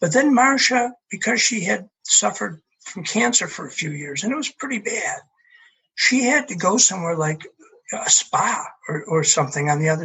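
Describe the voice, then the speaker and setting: Speaking with a Western New York accent, a man with high pitch uses lively intonation at a moderate pace. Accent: Western New York American. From Buffalo, New York. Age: 60s. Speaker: author, former car dealer. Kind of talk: interview. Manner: halting, many repetitions.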